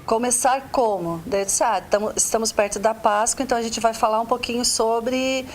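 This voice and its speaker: A woman's voice: fairly high pitch, fairly even intonation, fairly quick, slight background noise. A woman teacher with a Southern Brazilian accent, telling stories in a casual talk-show interview, with many restarts. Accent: Southern Brazilian Portuguese. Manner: chatty storytelling with restarts. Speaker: teacher and arts coordinator.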